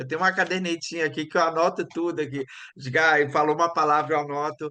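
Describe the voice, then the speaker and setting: A man with a Maranhão accent speaks at a fairly quick pace. His voice is fairly high, with a bright, sharp tone. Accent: Maranhão Brazilian Portuguese. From Maranhão, Brazil. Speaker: linguistics researcher. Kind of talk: academic panel discussion. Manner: halting.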